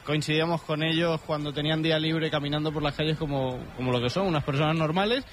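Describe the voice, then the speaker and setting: A man's voice: a little high, fairly even intonation, quick pace, a little hiss or hum. A man, a sports reporter, telling stories from a work trip on a radio show. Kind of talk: radio chat, anecdote.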